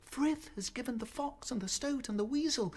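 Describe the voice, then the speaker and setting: A man voicing an excitable swift, screeching out alarming news in a radio play. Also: very high voice, moderate pace, slightly rough, voice pushed up. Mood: shrill alarm.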